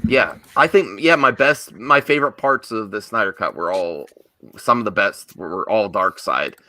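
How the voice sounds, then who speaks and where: A man's voice: lowish voice, animated, moderate pace, bright, forceful tone, no echo. A man hosting an online fan show in a casual livestream chat style.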